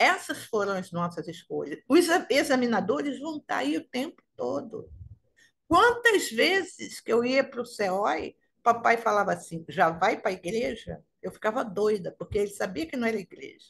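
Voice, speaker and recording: Speaking at a fairly slow pace, a woman uses a fairly high pitch with very wide pitch swings and vocal fry. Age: 60s. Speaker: spiritist lecturer. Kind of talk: religious talk.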